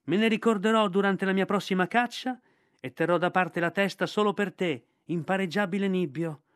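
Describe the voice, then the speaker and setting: A man's voice: sits high, moderate pace, fairly bright tone, no room sound, studio quality, pitched above the performer's own voice. A man doing a fierce proud she-panther. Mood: gracious. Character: proud female black panther, fierce and quick.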